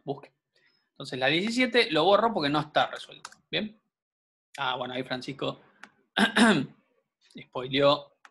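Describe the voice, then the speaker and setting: A man's voice: fairly high pitch, bright, forceful tone. A man, teaching an online programming class patiently, checking in with students often. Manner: patient, explanatory, frequent check-ins with students.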